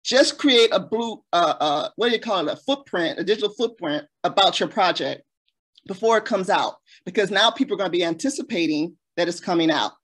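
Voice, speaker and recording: A woman's voice: on the low side, lively intonation, fairly quick. Earnest woman giving practical advice. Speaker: audio drama creator. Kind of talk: casual panel advice.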